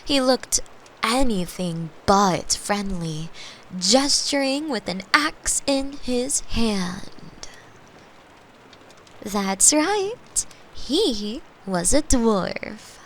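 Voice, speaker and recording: A woman in a gentle ASMR bedtime roleplay as a caring girlfriend, speaking softly and at times whispering, close to the microphone. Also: on the high side, big pitch swings, drawn-out words, a little hiss or hum. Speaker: audio roleplay performer playing a caring girlfriend.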